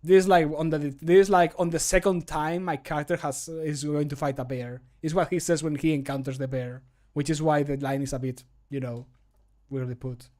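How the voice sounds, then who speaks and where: A man's voice: on the high side, a little mellow. A man in his thirties chatting casually and jokingly on a livestream, swearing freely, close to the mic in a room at home. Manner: joking, sweary, self-deprecating. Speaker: content creator and voice actor. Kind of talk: casual livestream chat while recording. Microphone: close studio microphone.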